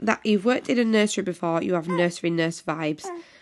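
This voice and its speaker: A woman with a Yorkshire accent speaks at a fairly quick pace. Her pitch is fairly low, and the background is quiet. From northern England, Leeds, Yorkshire. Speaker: family content creator. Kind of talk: casual chat.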